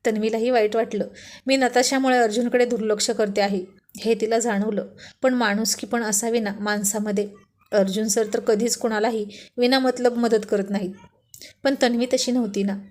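A woman's voice: a little high, a little mellow. A woman narrating a serialized romance story, with chatty asides to the listener.

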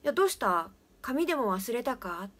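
A woman voicing a schoolboy at a summer camp, calling out loudly and getting annoyed. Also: fairly high pitch, expressive, normal speed. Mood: puzzled.

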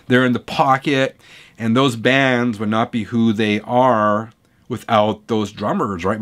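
Hoarse man chatting in a record room. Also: fairly low pitch. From Canada. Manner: chatty, opinionated, animated. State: hoarse from a cold. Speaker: vinyl channel host. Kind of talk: casual reading of viewer comments. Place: home record room lined with shelves of vinyl. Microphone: camera close up at desk.

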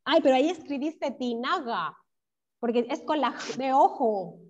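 A woman with a Chilean accent teaching an online class to young children, encouraging and praising pupils by name, drawing words out slowly syllable by syllable. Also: sits high, animated, crowd noise. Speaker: primary school teacher. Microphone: video call. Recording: dull lo-fi video call audio.

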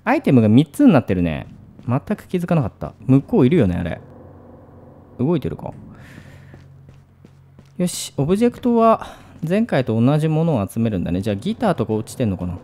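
A man's voice: medium pitch, wildly swooping pitch, fairly quick, pauses often, dark tone, slight background noise. A man hosting a gaming video, commentating on a horror game in speech, shifting between muttering and jumpy outbursts.

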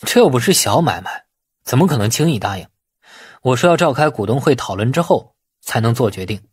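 Man playing a husky, shrewd young businessman. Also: medium pitch, big pitch swings, brisk, dry recording, studio quality. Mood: matter-of-fact. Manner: colloquial, explanatory. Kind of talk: audiobook dialogue.

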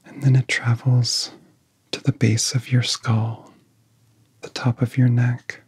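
A man guiding a relaxation in soft-spoken ASMR style, with a soft, whispery voice and gentle, soothing phrasing broken by long pauses. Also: medium pitch, little pitch movement, dry recording. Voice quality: soft, breathy, often whispery. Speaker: ASMR hypnosis guide.

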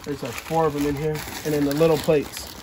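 A young man vlogging as he unpacks boxes in a cluttered storage room, playful and excitable, talking to his viewers on a handheld phone. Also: on the high side, a little fast, background noise. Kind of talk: casual unboxing vlog. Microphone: handheld phone camera.

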